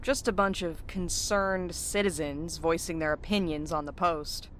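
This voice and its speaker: A lowish female voice, dry and skeptical, belonging to a blunt, sardonic woman. She is curt in her audio drama dialogue, with faint noise behind her. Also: steady tone, a little slow, fairly bright tone.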